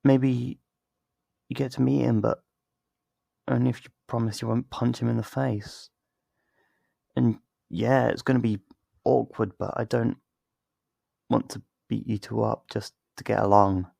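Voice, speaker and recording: A man playing a torn, tender best friend in an intimate ASMR roleplay, speaking in a halting, emotional, pleading way. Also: medium pitch, steady tone, vocal fry, dark tone, no echo, studio quality. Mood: gentle, reassuring. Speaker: audio roleplay voice actor.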